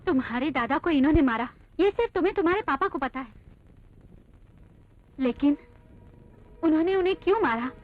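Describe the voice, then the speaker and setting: An actress playing a calm, wise sister-in-law in a dubbed film, earnest and persuasive. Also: female voice, high-pitched, fairly quick, pauses often. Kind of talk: Hindi film dub. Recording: tinny dubbed audio with faint music.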